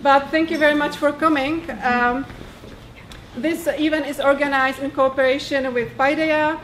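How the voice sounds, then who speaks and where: A young woman with a Czech accent introduces a lecture in a small hall. Her voice sits high and she rushes along, stumbling over fillers, with faint room noise behind. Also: steady tone. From Czech Republic. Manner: fast-talking with many fillers. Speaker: event organizer.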